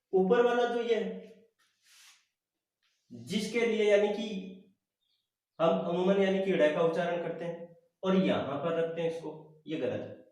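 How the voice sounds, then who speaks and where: A man teaching a Hindi grammar lesson online, slowly reciting the letters one by one. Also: on the high side, darkish tone. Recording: very echoey room.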